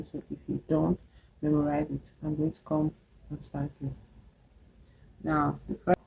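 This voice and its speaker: Low, gravelly Nigerian woman teaching maths. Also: background noise. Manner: chatty and encouraging, checks in with "yeah?" and "okay?"; slows down to spell out formulas while writing. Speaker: math tutor vlogger. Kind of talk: casual whiteboard lesson.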